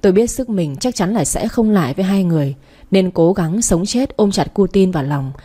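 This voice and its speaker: A woman's voice: lowish voice, expressive, brisk, dark tone. A woman reading a first-person story aloud, voicing the characters herself. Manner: dramatic reading that voices every character.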